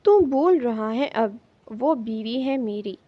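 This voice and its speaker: A woman's voice: on the high side, expressive, dry recording, dull audio. A woman reading the lines of an angry, possessive young husband in an audiobook, curt and threatening.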